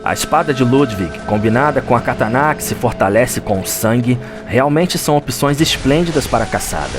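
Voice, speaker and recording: A man's voice: medium pitch, expressive, fairly quick. A man with a Brazilian accent giving a solemn, dramatic scripted narration for an audio drama, like a chronicler telling a story. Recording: music under the voice. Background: background music.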